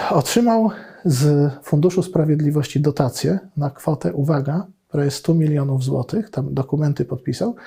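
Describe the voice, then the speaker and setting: A man's voice: fairly high pitch, mellow, slightly rough. A man giving an indignant, sarcastic political commentary monologue, with frequent hesitations.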